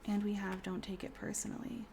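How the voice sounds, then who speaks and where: A woman in her thirties doing a casual tarot reading, hoarse from a cold, speaking softly and often in a whisper with many fillers. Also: mid-range voice, little pitch movement, fairly quick, slight background noise. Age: 30s. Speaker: tarot reader.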